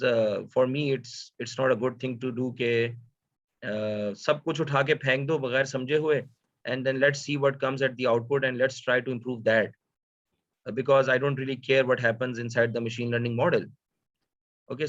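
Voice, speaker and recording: A man with a South Asian accent giving an informal data science lecture, speaking haltingly with frequent hesitations and rhetorical questions. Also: medium pitch, steady tone, dry recording. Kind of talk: informal lecture, code-switching. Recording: dull, dry lo-fi audio.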